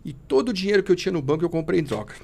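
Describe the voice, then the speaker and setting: A man with a fairly high voice and a gravelly, crackling edge tells his testimony as a podcast guest. He speaks fervently in a preachy way and keeps turning to the listener as brother. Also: animated, racing, darkish tone. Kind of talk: emotional testimony.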